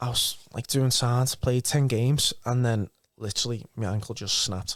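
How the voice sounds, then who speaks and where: Speaking with a Liverpool accent, a man keeps a moderate pace. The sound is dry and close, with no echo. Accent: Scouse. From Liverpool, Merseyside. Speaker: professional footballer. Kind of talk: casual chat.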